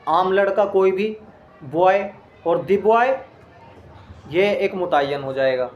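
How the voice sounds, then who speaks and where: A man's voice: high-pitched, slow pace, muffled recording, a little hiss or hum. A man teaching an Arabic grammar lesson in speech, explaining step by step and quizzing his listeners with questions.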